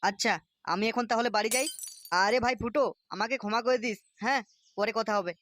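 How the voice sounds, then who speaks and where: A man's voice: very high voice, fairly even intonation, fairly quick, a bit bright, dry recording. A man voicing a suspicious, grumpy village father in a comedy cartoon, grumbling and accusing coarsely. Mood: sullen, wary. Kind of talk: Bengali comedy cartoon dubbing.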